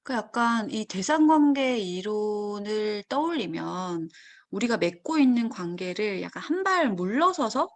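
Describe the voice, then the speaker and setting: A woman co-hosting a psychology talk show, speaking in a thoughtful, gently reflective way. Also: medium pitch, lively intonation, a little slow. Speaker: podcast co-host. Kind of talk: casual explanatory chat.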